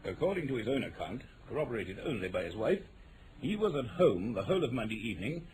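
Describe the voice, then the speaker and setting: An actor playing a grave, precise, commanding English government official in a 1940s radio drama, speaking formally and emphatically. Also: male voice, mid-range voice, very animated, quick pace, crowd noise, close to an everyday voice, low-quality recording. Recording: old radio broadcast, faint noise.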